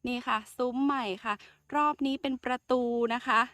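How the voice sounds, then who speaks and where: A woman walks through her home garden outdoors, showing her plants in a casual, chatty vlog, speaking softly and politely with frequent particles. Her voice is fairly high and steady, at a moderate pace. The audio is dry and studio quality.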